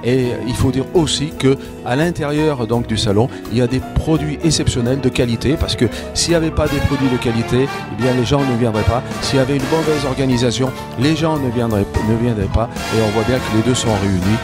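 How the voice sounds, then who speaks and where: An older man recalling a wine fair he founded, speaking slowly with many pauses and restarts into a handheld mic. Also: medium pitch, loud music behind the voice. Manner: hesitant, many fillers and restarts. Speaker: festival founder interviewed. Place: indoor event space, stand with banners.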